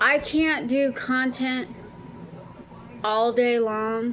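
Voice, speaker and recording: High-pitched female voice with an animated tone, audible room echo and music in the background. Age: 30s. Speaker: vlogger. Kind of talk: casual vlog talk. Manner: rambling, animated.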